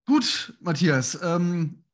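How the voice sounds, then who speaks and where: A man's voice: sits high, expressive, extremely slow. A man in his thirties hosting a casual interview, phrasing things politely and tentatively. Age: 30s. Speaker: interviewer, host. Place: home room, indoors.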